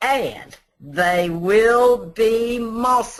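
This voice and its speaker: The speaker has a playful tone and a Southern US accent. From American South. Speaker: presenter giving a talk on mosses. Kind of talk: informal, conversational. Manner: folksy, playful.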